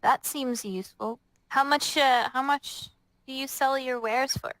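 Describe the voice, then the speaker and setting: A woman's voice: high-pitched, fairly even intonation, a little slow, a bit bright, no room sound, low-quality recording. A woman playing a tabletop game, moving casually between roleplay and table chat.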